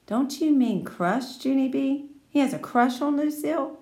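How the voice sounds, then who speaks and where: Polite little boy, gentle, bit high, echoey, woman reading it. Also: moderate pace. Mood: mild. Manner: mild, correcting gently. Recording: roomy echo.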